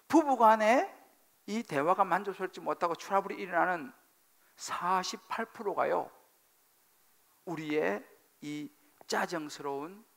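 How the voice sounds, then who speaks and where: A middle-aged male senior pastor giving a sermon in a church sanctuary, preaching with animated emphasis, repeating phrases and putting questions to the congregation. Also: a little high, vocal fry.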